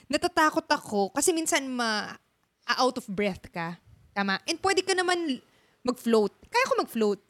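Young woman with a Filipino accent, high voice, lively telling, dry close sound. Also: no room sound. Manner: animated storytelling, mixing English into speech. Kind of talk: casual chat.

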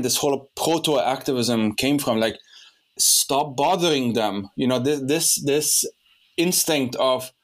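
Young male podcast host from Lebanon, casual and meandering, mid pitch. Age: young adult. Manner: rambling, many restarts and fillers. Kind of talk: casual conversation.

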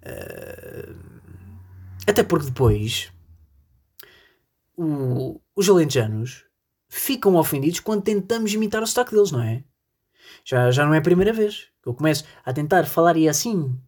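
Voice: mid-range voice, expressive, normal speed, long pauses, a little mellow, slightly rough. A podcast host from Portugal, rambling jokily through a solo monologue and talking straight to the listeners. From northern Portugal. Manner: rambling, jokey, addresses listeners directly.

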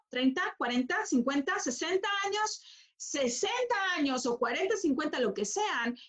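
A woman giving a motivational coaching talk, emphatic and repeating phrases for stress. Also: high-pitched.

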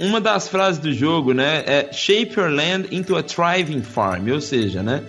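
A man's voice: on the high side, animated, measured pace, fairly bright tone. A man with a Brazilian Portuguese accent chatting casually and jokingly in slangy speech as a podcast co-host. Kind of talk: casual chat. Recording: music behind the voice.

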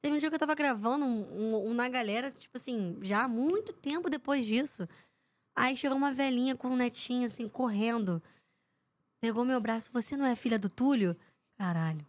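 A young woman with a fairly high pitch speaks fairly quickly. As a podcast guest, the sports reporter recounts anecdotes in a lively way, voicing the words of the people involved.

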